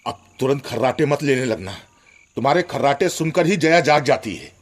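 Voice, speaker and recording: A man's voice: mid-range voice, lively intonation, fairly quick, a little hiss or hum, close to an everyday voice. An actor playing an irritable, harsh husband and father in a radio drama, scolding and complaining. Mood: furious. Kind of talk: Hindi radio drama acting.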